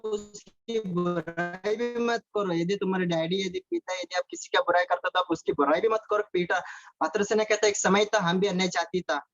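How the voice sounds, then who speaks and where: A man's voice: sits high, fairly even intonation, normal speed, a bit bright, soft background music. A man preaching a sermon over a video call, repeating phrases, asking his listeners questions and mixing in English words. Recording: dull lo-fi call audio.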